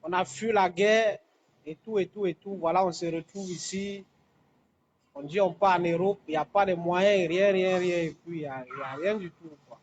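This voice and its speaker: A man from Cameroon's anglophone South-West calls in to a live stream from a construction site. His voice sits quite high, and he speaks hesitantly, often repeating himself. Faint site ambience runs behind him. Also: moderate pace, highs cut off, slight background noise. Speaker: caller. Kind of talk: phone-in call to live stream.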